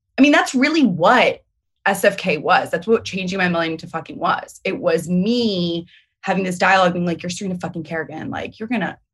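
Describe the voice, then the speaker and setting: A woman's somewhat breathy, medium-pitched voice at a fairly quick pace, with ordinary pitch variation and big swings in loudness. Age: 20s. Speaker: confidence coach and dating show creator. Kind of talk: casual interview chat. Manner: animated.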